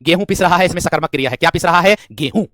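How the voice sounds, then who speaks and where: This is a man teaching a grammar class for exam candidates. He keeps asking questions and answering them himself, and he often repeats phrases. His voice sits somewhat high and is recorded dry and close. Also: very fast, a bit bright, no echo. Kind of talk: exam-prep grammar lesson.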